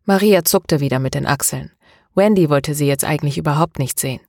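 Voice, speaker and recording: A woman narrating an audiobook novel in a steady, measured reading. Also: low voice, no echo, clean studio sound. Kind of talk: scripted narration.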